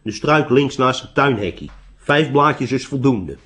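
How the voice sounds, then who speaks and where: A man's voice: medium pitch, expressive, unhurried, a bit bright. Man voicing a blunt old white-bearded hermit. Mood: gruff. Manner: blunt, brusque questions.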